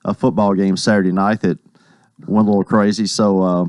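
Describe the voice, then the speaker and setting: A friendly man chats on local radio in a slightly hoarse, fairly low voice. The sound is dry and close. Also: flat delivery, a little fast, darkish tone, no echo. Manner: friendly, chatty, chuckles. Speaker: town mayor guest. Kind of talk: radio interview.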